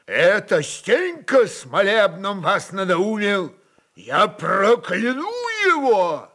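Angry old bishop, loud and high, drawn-out denouncing, hot tempered, storybook drama. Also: male voice, big pitch swings, heavily acted. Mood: outraged. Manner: shouting, indignant, denouncing. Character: fiery, hot-tempered old churchman, a metropolitan.

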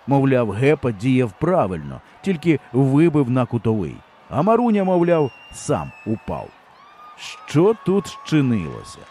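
A man narrating a humorous story in an audiobook, telling it in a lively way. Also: medium pitch, unhurried, slight background noise. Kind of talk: scripted narration.

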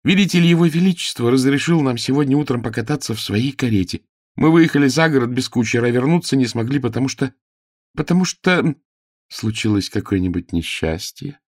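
A man's voice: mid-range voice, fast talker, darkish tone, dry recording, studio quality, pitched above the performer's own voice, natural voice. A man voicing a young girl disguised as a page boy, talking eagerly and pleading with her friend.

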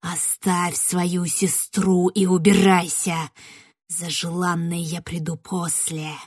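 Casting: woman doing a greedy storybook witch, slow and hissing, whispering and shouting by turns. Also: lowish voice, little pitch movement, slightly rough, no room sound, studio quality. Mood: menacing. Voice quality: rustling, whispery. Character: hissing yellow-eyed female witch, greedy, menacing.

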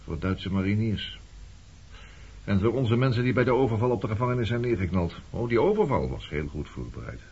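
A man's voice: lowish voice, sing-song, brisk, creaky, a little mellow, breathy edge, heavily acted. An actor playing a brooding former resistance man turned skipper, probing and bitter with an old lover in a radio play. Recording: dull, noisy old radio play recording.

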